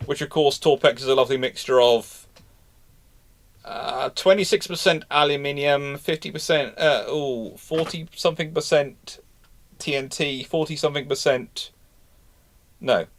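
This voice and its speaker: A man hosting an unscripted question-and-answer talk, speaking emphatically but haltingly, doubling back and repeating himself to stress points. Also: a little high. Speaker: naval history host answering live questions.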